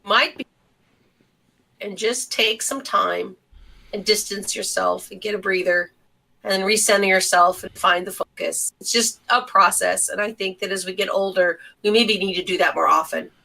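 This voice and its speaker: A woman's voice: medium pitch, steady tone, normal speed, creaky, sharp tone, poor audio. A woman chatting casually as a panelist on a podcast. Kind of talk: casual chat.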